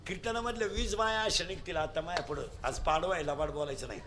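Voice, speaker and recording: High-voiced man preaching a comic sermon. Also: fast talker. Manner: joking, lively storytelling with acted quotes. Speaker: kirtan preacher.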